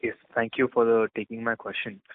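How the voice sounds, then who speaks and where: On a conference call, a man with an Indian accent asks questions as an analyst in a conversational style. His medium-pitched voice shows little pitch movement and moves a little fast over a dry, tinny phone line.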